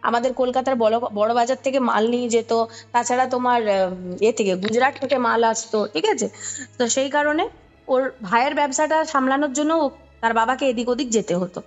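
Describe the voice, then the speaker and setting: A woman with a Kolkata Bengali accent speaks in a fairly high voice, with music playing behind her. She tells a story conversationally, explaining details and often checking that the listener follows. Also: a little fast, dull audio. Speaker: podcast guest recounting a ghost story.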